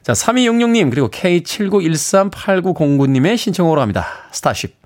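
A man's voice: fairly high pitch, very animated, fairly quick, a little mellow. A man hosting a radio show, chatting, reading listener messages and plugging events with self-mocking humor. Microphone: studio microphone.

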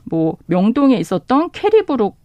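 A woman's voice: fairly high pitch, big pitch swings, moderate pace, mellow, no room sound, muffled recording. Woman, from Seoul, chatty, laughs often, dry studio sound. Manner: chatty, laughs often, reads dialect lines aloud. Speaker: bookshop owner guest. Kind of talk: casual radio chat.

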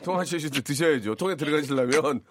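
A man's voice: fairly high pitch, quick pace, a bit bright. A man hosting a casual radio show with joking, teasing banter and many short repeated interjections. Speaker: radio host.

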